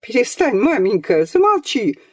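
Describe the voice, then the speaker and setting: A woman's voice: a little high, sing-song, slow, mellow, no room sound, studio quality, voice pushed up, exaggerated voice. A woman reading aloud, voicing a peasant mother who pleads with and comforts her husband. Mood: stern. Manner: pleading, soothing, urgent.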